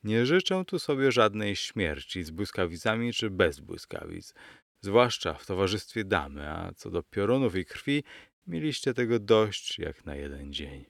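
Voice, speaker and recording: A man's voice: low-pitched, sing-song, measured pace, gravelly, dry recording, clean studio sound, exaggerated voice. A man voicing a bold, unflappable middle-aged uncle who speaks in a cool, commanding, mocking way, in an audiobook.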